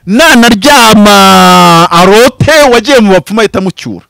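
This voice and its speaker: Man in his thirties, high lively voice, fast preaching delivery, dry close handheld mic. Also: creaky, clean tone, no echo. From Rwanda. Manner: impassioned, gesturing, swings from loud bursts to low murmurs. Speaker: pastor and prophet. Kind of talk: animated preaching-style interview talk. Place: outdoors before green foliage. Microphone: handheld mic held close.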